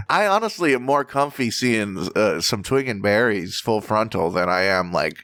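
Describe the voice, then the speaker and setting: A man co-hosting a casual podcast, his fairly low voice swinging up and down with a lot of life. He jokes and swears freely. The sound is dry and close. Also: measured pace, no room sound. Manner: animated, joking, swears freely. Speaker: podcast co-host. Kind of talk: casual comedic chat.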